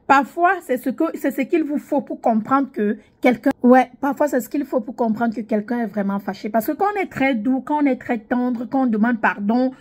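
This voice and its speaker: A young woman with a fairly high voice, talking straight to her audience in casual commentary. She lands her points with emphasis and a firm, insistent tone. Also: moderate pace, hardly any pauses. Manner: emphatic, reads posts aloud and reacts. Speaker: online commentator.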